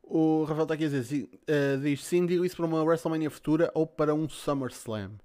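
A man's voice: on the high side, fast, a little mellow, smooth. A man with a European Portuguese accent, hosting a podcast and reading out listener questions in casual, slangy talk with some swearing. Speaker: podcast host.

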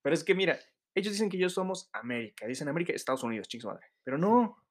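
A Mexican man in a lively casual chat. He speaks quickly with a slightly high voice, swinging his pitch widely and bursting into exclamations. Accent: Mexican Spanish.

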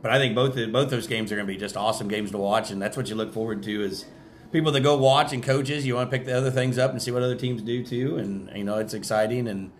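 A man's voice: medium pitch, quick pace. A man with an American accent giving informal, conversational sports talk as an interview guest. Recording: faint background noise.

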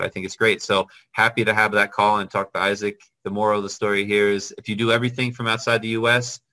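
Chatty male business host, friendly and quick, bright forceful voice. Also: fairly low pitch, low-quality recording. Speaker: business consultant and channel host. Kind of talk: casual video call, then talking to camera.

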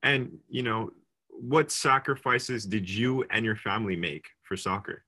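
A male interviewer with a low, husky voice that has a bright edge. He introduces his guest and asks questions in a friendly, encouraging way. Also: unhurried. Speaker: podcast host, interviewer. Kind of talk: hosting an interview.

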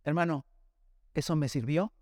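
A man, preaching a storytelling sermon as pastor. He keeps calling the listener brother and slows down fervently to stress his points. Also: a little high, a little mellow, no room sound, clean studio sound.

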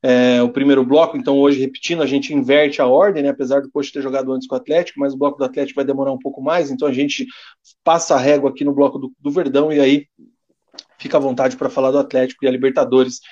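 A man's voice: mid-range voice, little pitch movement, fast, mellow, muffled recording. A Brazilian man co-hosting a casual sports podcast, reading standings and listener comments with a joking tone. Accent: Brazilian Portuguese. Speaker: podcast co-host.

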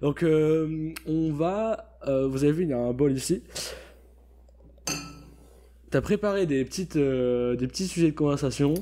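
This is a young man hosting a casual chat, with a relaxed, chatty way of talking. His voice is mellow and warm. He leans on fillers while he steers the conversation. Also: on the high side, a little slow, long pauses, a little hiss or hum. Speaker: host.

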